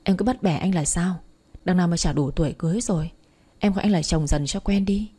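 A woman's voice: lowish voice, fairly quick, mellow, breathy edge. A woman doing a playful young boyfriend. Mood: coaxing.

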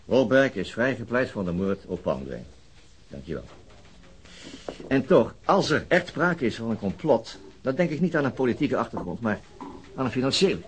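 An actor playing a probing, dry male police detective in a radio crime drama, musing and wry in a deliberate way. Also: medium pitch, very animated, husky.

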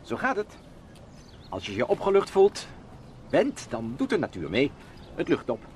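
A man's voice: a little high, huge pitch swings, unhurried, darkish tone, a little hiss or hum. An actor playing a firm, pragmatic family father in radio drama dialogue, speaking in terse, declarative phrases. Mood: relieved, terse.

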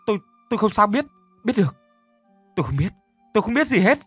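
A man's voice: medium pitch, sing-song, brisk, husky, no room sound, soft background music. A man voicing a haunted male murderer in a horror story, stammering and panicked. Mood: panicked denial. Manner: stammering, frantic.

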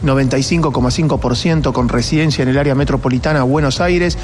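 A man giving an official briefing, reporting figures in a steady way. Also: mid-range voice, fast talker, slight background noise. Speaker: government official.

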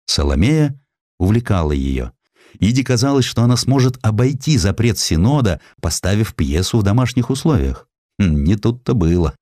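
A man narrating a historical literary sketch in an expressive, theatrical way with dramatic pauses, recorded close in a studio. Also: lowish voice, no room sound. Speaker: audiobook narrator. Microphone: close studio microphone.

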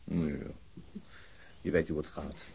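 A man's voice: rumbling low, level tone, slow, vocal fry, mellow, slight background noise, heavily acted. An actor playing a middle-aged, wry, weary policeman and father recovering from a wound in a radio play. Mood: weary, evasive. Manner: subdued, weary, sardonic, hesitant. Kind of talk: naturalistic radio play acting.

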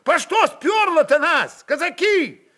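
A man voicing an excitable old Cossack jester in a storybook reading, grumbling and declaiming in a folksy way. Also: extremely high pitch, takes it slowly, pitched above the performer's own voice, exaggerated voice. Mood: indignant, haranguing.

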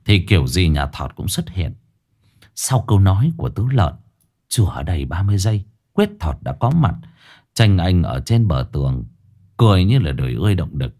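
A man narrating a folksy ghost story in a lively way. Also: on the low side.

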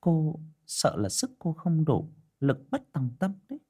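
A man voicing an older female fortune-teller who frets and explains in quick bursts. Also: fairly high pitch, huge pitch swings, dark tone, pitched above the performer's own voice, exaggerated voice. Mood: resigned. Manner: fussy, exclaiming, talks fast in bursts. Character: older woman fortune-teller, fretful and worried.

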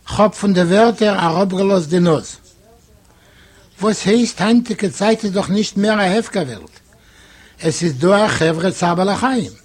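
A man's voice: high voice, animated, a little slow, husky. A man whose first language is Yiddish, reading a literary story aloud expressively and voicing its quoted dialogue. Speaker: reader.

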